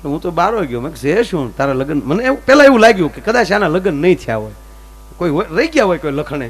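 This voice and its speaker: ઊંચા અવાજવાળો, જોશીલો હાસ્ય કલાકાર પુરુષ, પાછળ હમ. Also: male voice, a little high, fast talker. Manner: animated storytelling, acts out both sides of dialogues. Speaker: folk comedian. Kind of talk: Gujarati stage comedy storytelling.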